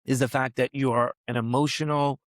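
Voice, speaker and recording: A man's voice: mid-range voice, steady tone, fairly quick, no room sound, studio quality. A man in his forties hosting a podcast, telling a long personal story in a rambling way and often tagging his sentences with "right?". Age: 40s. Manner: rambling storyteller, frequent "right?" tag questions. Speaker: podcast host. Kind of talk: casual interview conversation. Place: New York City, on a massage table.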